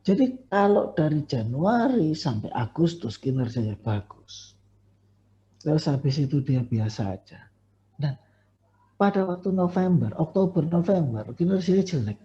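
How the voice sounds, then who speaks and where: A man's voice: a little high, sing-song, unhurried, mellow. A man lecturing on staff appraisal, conversational, with many fillers and self-corrections. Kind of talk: recorded university lecture. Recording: dull lo-fi recording.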